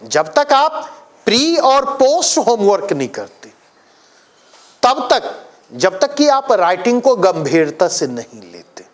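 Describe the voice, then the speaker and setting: A man's voice: high-pitched, big pitch swings, slow. A man teaching an exam coaching class, lecturing emphatically and putting questions to his students.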